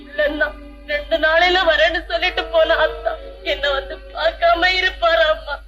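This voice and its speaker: An actress playing a heartbroken young wife, tearful. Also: female voice, high voice, moderate pace, close to an everyday voice. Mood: grieving. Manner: pleading, tearful. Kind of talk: 1960s film drama. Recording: dull old film soundtrack with music.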